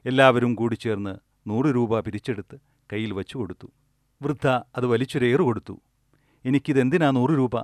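A man delivers a dharma discourse on craving and attachment, hammering his points home through repetition and small stories. His voice sits at an ordinary middle pitch and is recorded close and dry, with no room sound around it. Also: moderate pace, dry recording. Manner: repetitive, emphatic storytelling. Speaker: meditation teacher.

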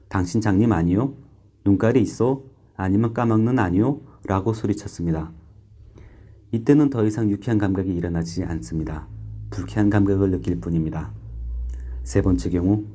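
A man giving a meditation dharma talk, explaining in a measured, patient way through told examples. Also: deep voice, dark tone. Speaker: meditation teacher.

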